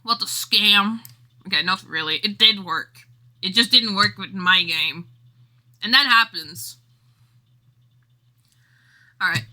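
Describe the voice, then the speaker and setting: A woman's voice: medium pitch, takes it slowly, pauses often, bright, forceful tone. A woman livestreamer chatting casually with her viewers in a rambling, exclamatory way. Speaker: livestreamer and game developer.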